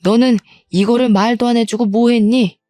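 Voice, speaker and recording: A woman voicing a sharp-tongued older mother-in-law who nags and scolds with contempt. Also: on the high side, fairly even intonation, moderate pace, dry recording, natural voice. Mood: scornful. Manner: nagging, scornful scolding.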